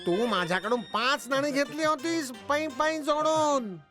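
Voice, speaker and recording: A woman voicing a miserly, crafty male village shopkeeper in an animated moral story for children. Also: high-pitched, a little slow. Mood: demanding, mocking. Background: music.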